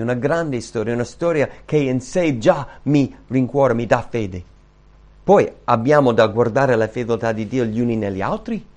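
A man preaching a sermon in animated storytelling style, acting out Bible scenes and repeating key phrases for emphasis. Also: medium pitch.

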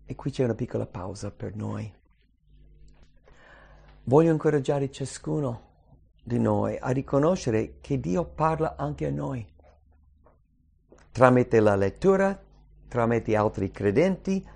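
A man's voice: medium pitch, creaky, darkish tone. A man preaching a sermon, reading scripture aloud and repeating key phrases with earnest emphasis.

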